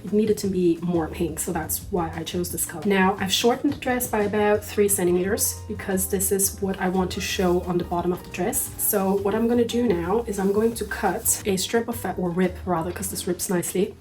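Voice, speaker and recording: A woman's voice: mid-range voice, normal speed, hardly any pauses, darkish tone, faint music behind. Chatty woman, sewing vlog. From Austria. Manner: chatty, self-deprecating asides. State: slightly sick voice. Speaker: sewing vlogger. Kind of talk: casual sewing vlog narration.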